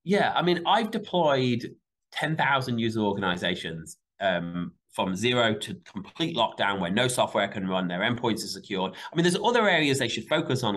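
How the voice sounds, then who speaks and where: A man with a Michigan accent, a company CEO answering interview questions in an animated way. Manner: animated, quick pitch jumps when stressing points. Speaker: CEO and guest.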